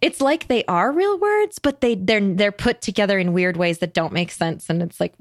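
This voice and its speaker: A woman's voice: mid-range voice, lively intonation, moderate pace, no room sound, studio quality. A woman hosting a podcast, chatting in a bubbly way with lots of fillers. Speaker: podcast host. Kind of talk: casual conversation.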